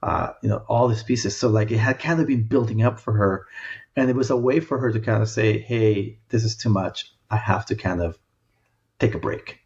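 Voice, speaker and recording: A man in his late forties from El Salvador with a gravelly, husky low voice. He talks thoughtfully as a podcast guest, often pausing and restarting, and the recording sounds slightly dull. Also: darkish tone. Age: 40s. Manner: thoughtful, many fillers and restarts. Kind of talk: reflective conversation.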